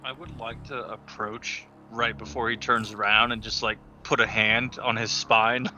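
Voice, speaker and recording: A man's voice: fairly low pitch, flat delivery, moderate pace, sharp tone, highs cut off. A man talking casually as a player in a tabletop roleplaying game. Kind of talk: casual chat. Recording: music behind. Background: background music.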